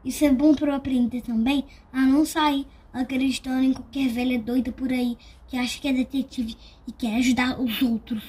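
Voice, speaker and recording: A woman's voice: sits high, flat delivery, moderate pace, mellow, breathy edge. A woman playing an upset, plucky young street boy in a Brazilian radio drama. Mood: angry, tearful.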